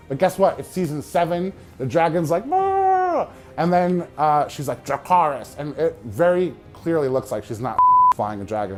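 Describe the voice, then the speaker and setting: A man in casual year-in-review chat, retelling TV scenes in an animated way with shouted sound effects. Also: on the high side. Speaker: comics commentator.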